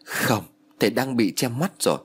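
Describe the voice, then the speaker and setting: A man's voice: mid-range voice, animated, normal speed, husky. A man playing a grieving older brother in a spoken horror story, grave and urgent, his voice choked. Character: older man, grief-stricken eldest brother.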